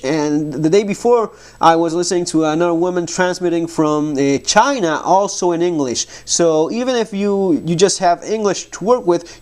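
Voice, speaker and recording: Higher-pitched man giving a casual, halting demo. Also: darkish tone. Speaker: survivalism video host. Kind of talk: casual product demonstration talk.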